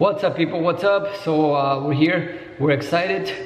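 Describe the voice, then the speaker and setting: The intonation stays fairly even, with audible room echo around the voice. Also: man. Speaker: DJ reviewing lights. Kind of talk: casual vlog chat. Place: garage. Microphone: phone near.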